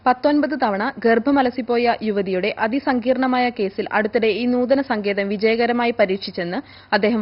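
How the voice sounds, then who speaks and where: Female newsreader, fairly high voice, formal measured script delivery, slightly dull lo-fi audio. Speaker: news reader. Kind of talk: scripted news narration.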